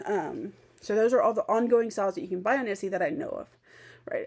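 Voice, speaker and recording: This woman speaks at a very fast pace. Her intonation is lively. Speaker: cross-stitch vlogger. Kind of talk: casual chat. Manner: halting, many fillers.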